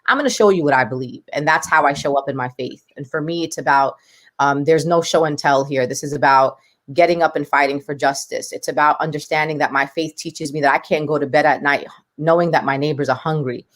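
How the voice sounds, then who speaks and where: A woman's voice: deep voice, fairly quick. A woman, speaking as a guest in an interview, talking with passion and emphasis. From United States. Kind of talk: podcast interview.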